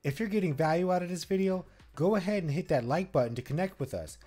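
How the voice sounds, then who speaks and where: A man's voice: high voice, fast, mellow, husky, soft background music. A man, co-host of a home-improvement channel, giving a scripted step-by-step voice-over on installing a shelf. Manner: instructive, step-by-step.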